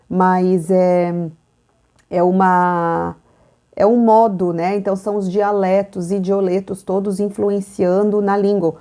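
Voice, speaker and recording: Slow, mellow woman teaching a lesson. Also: mid-range voice. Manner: slow, repeats example words aloud; chatty asides with "né" and "tá". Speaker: language teacher. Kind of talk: informal video lesson.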